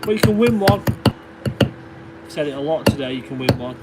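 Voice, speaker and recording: A man's voice: on the high side, lively intonation, moderate pace, heavy background noise. A man with a Derbyshire accent chatting casually on a livestream, thanking viewers and reading out their names. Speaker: livestreaming stone carver. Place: workshop.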